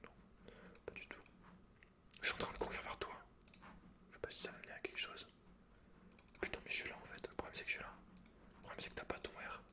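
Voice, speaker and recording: A man whispering casual, slangy, sweary ASMR commentary while he plays a video game, in a breathy unvoiced whisper. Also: quick pace, pauses often. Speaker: host of an ASMR gaming channel. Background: computer keyboard clicks and typing.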